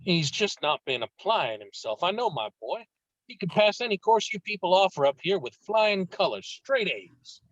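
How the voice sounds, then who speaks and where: Man acting a blustering, domineering father, bright voice. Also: high voice, big pitch swings, normal speed, dry recording, lo-fi sound, heavily acted. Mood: insistent, impatient. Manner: brusque, insistent. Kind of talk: table read of a screenplay.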